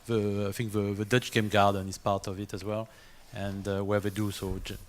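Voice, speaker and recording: A man's voice: on the low side, little pitch movement, moderate pace. A man in a conference audience adding information, with short fillers between phrases. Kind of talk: conference Q&A comment.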